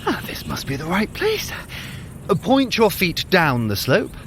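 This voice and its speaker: An actor playing a cocky, smooth-talking trickster god in an audio drama, with a sardonic, wordy and wheedling manner. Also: male voice, high voice, wildly swooping pitch, unhurried, noisy background, exaggerated voice. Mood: confident, wry.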